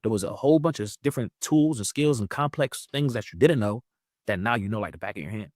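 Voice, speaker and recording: A man's voice: fast, no room sound. Chatty young man with a dry sound. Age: 20s. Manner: rambling, heavy use of "like", lively pitch jumps. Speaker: guest. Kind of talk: casual interview chat.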